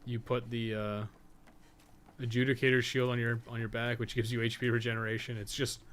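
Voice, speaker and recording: A man's voice: mid-range voice, little pitch movement, brisk, a bit bright, slight background noise. A man giving casual live gameplay commentary, rambling and thinking aloud in loose, sometimes profane language. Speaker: podcast co-host and gaming streamer.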